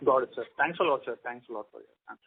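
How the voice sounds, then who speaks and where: A man's voice: mid-range voice, very fast, gravelly, slight background noise. A man, an analyst asking a question over the phone on an earnings call. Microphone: telephone. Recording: narrowband phone line.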